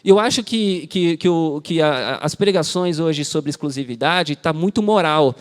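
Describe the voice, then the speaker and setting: A man's voice: fairly high pitch, expressive, normal speed. A man preaching an informal sermon in a church hall, telling stories in a conversational, slangy way. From Brazil. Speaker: lay preacher. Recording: long church-hall reverb.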